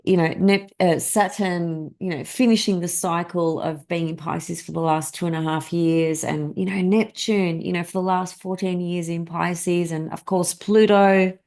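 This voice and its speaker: A woman's voice: fairly low pitch, fairly even intonation, unhurried, hardly any pauses, darkish tone. A woman whose first language is Greek, hosting a casual astrology live stream and talking to her viewers in a rambling way, with many fillers and restarts.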